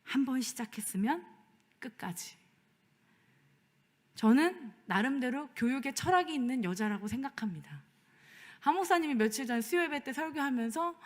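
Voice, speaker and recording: High, lively woman pastor preaching. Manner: emotional preaching, swinging from raised voice to hushed whisper. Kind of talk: sermon. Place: church sanctuary. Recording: long church-hall reverb.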